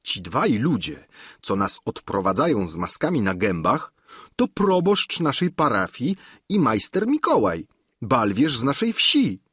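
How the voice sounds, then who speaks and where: A man's voice: medium pitch, a bit bright, slightly rough, no room sound, clean studio sound, full character voice. A man voicing an older, simple, talkative peasant squire who pleads and insists.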